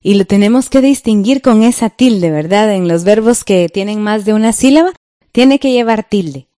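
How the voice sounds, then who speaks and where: A middle-aged woman with a Guatemalan Spanish accent teaches a grammar lesson. Her voice is warm and mellow, recorded dry and close, and she reads each example out slowly and deliberately. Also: mid-range voice, dry recording. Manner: slow, careful, explanatory.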